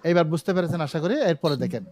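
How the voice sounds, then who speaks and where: A man's voice: a little high, racing, mellow. A man teaching English over a video call, speaking in a slightly raised voice. He explains patiently, repeats key words and draws on everyday examples. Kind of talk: online English grammar class.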